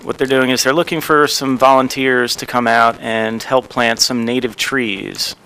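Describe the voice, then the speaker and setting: Mayor guy at a council meeting, bright clear voice, lots of ums and uhs. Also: medium pitch, steady tone, rough recording. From New Jersey. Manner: rambling, halting with many fillers. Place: council chamber.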